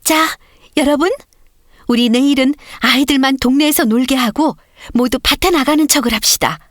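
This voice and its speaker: A woman's voice: sits high, moderate pace, dry recording, studio quality, pitched above the performer's own voice, lightly acted. A woman voicing an indignant adult sparrow in a storybook, rousing and resolute as it rallies the villagers. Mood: resolute, rallying.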